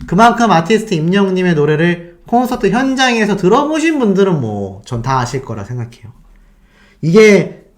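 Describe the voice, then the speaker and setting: Animated, lively-voiced man telling a story. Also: sits high. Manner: excitable, asks the audience rhetorical questions. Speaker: fan channel host.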